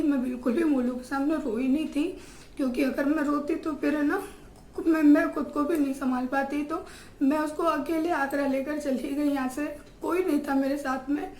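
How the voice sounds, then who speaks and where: A woman's voice: high voice, a little mellow, reverberant, a little hiss or hum. A woman talking to her viewers in a casual home vlog, in an emotional, heartfelt way. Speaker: vlogger and mother.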